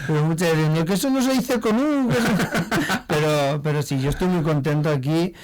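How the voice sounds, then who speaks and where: A man from La Mancha, a chef, chatting in an interview in an animated way and laughing easily. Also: a little high, normal speed, low-quality recording. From La Mancha, Spain. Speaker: chef, guest. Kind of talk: casual interview talk.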